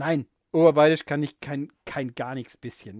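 The speech comes with a Swabian accent at a moderate pace, with ordinary pitch variation. The sound is dry and close with no echo, in a very clean recording with a silent background. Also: man. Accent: Augsburg Swabian dialect. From Augsburg area, Bavarian Swabia, Germany. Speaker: gaming podcaster. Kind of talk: solo casual chat. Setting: home recording in own room.

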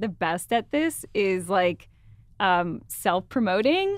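A woman's voice over a quiet background. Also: dry sound with no echo. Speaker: guest. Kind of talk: interview answer. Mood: warm, laughing, upbeat. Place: studio. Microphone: studio mic.

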